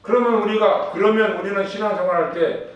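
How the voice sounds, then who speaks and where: A man's voice: sits high, fairly even intonation, a little fast, dull audio. A male pastor preaching a sermon, putting questions to his congregation and answering them. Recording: echoey room with a distant mic.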